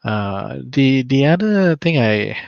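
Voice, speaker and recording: A young man, thoughtfully sharing his experience in a casual discussion, often pausing on "uh". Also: mid-range voice, big pitch swings, creaky, no echo. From Malaysia. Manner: thoughtful, frequent "uh" hesitations. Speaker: panel guest. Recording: dull lo-fi dry sound.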